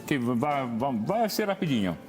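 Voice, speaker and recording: A man from Tuscany with an Italian accent, whose first language is Italian, explaining a recipe calmly as a guest chef in halting Portuguese. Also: mid-range voice. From Tuscany, Italy. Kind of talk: cooking demonstration on TV. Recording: TV studio with background music.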